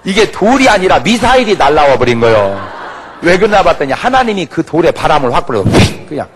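A man's voice: fairly high pitch, a little fast, slight background noise. A man, preaching a humorous revival sermon and acting out the people in his stories. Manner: animated storytelling, acts out characters and shouts. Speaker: pastor.

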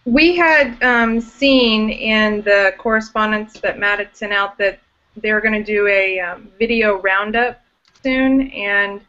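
Woman teacher, bright forward voice, steady explainer with ums, lo-fi web audio. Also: medium pitch, slow pace. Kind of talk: casual video-call discussion. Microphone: video call. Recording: dull lo-fi video call audio.

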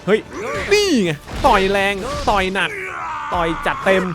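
With game music blaring in the background, a man gives animated Let's Play commentary on a fighting game, shouting and repeating words in the fights. His voice sits high and unhurried, touched by a slight sore throat.

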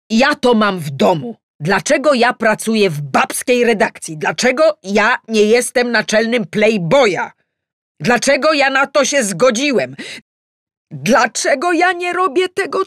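A woman's voice: on the high side, very animated, slow, no room sound, clean studio sound, pitched above the performer's own voice. A woman voicing an exasperated, self-pitying male editor-in-chief in an audiobook, ranting emphatically. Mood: plaintive ranting. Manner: emphatic, ranting in numbered points. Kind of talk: audiobook character acting.

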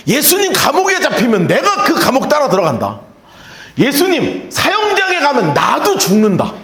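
A man voicing an excited, boastful male disciple who swaggers and raises his voice in loud bravado. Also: very high-pitched, moderate pace, echoey room, pitched above the performer's own voice, exaggerated voice.

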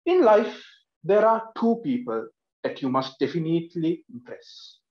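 A young man from Sri Lanka delivers a prepared speech with earnest emphasis, his voice sitting a little high. He is captured from across a room that echoes, and the sound is dull and lo-fi. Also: sing-song, unhurried. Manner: earnest and emphatic, gesturing with both hands. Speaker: speech contestant. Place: living room at home. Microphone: laptop camera across the room, headphones on.

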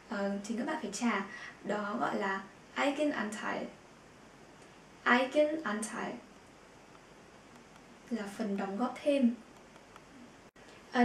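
Woman teacher going over vocab, repeats each word slow, lots of little ums, echoey room, a bit high. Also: a little mellow, recorded from a distance. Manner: repeats words slowly and clearly, with frequent filler sounds. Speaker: German language teacher. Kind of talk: vocabulary lesson. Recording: echoey room with faint background noise.

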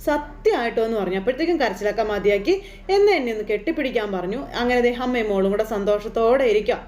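Casting: a brisk, fairly high-voiced woman doing a loose, chatty serial recap in an echoey room. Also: a little mellow. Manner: chatty, loose storytelling with many fillers and tag words. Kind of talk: casual retelling of a TV serial episode.

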